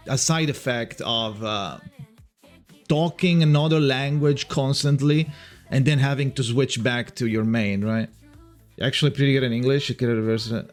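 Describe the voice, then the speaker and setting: A man's voice: medium pitch, a little mellow. A young man from Italy with an Italian accent, chatting casually with viewers on a livestream and often restarting his sentences. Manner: rambling, frequent restarts and swearing. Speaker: streamer.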